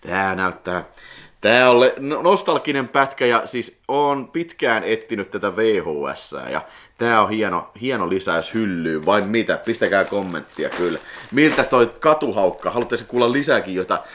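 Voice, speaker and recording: Man, 40s, vlog host. Lively, swooping delivery with excited squeals over each find. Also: fairly low pitch. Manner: excited squealing exclamations, rambling and nostalgic. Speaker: video collector channel host. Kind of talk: casual unboxing vlog.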